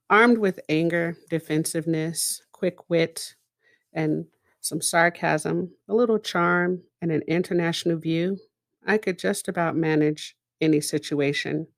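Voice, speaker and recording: A middle-aged woman from Israel, a native Hebrew speaker, giving a reflective personal monologue in a deliberate manner with dramatic pauses and rhetorical asides. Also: lowish voice, dry recording, studio quality. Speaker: podcast host and speaker.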